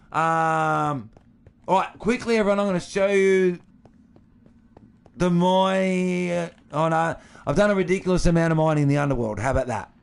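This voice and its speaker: Over music in the background, a man with an Australian accent talks at a moderate pace in a high pitch, with ordinary pitch variation and long, frequent pauses. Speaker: video game streamer. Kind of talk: live gameplay stream commentary.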